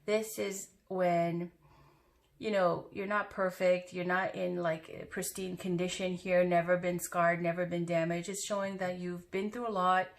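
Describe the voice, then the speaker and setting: A woman's voice: lowish voice, flat delivery, a little slow. A woman giving a casual, chatty tarot reading to her viewers, with loose asides and fillers. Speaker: tarot reader.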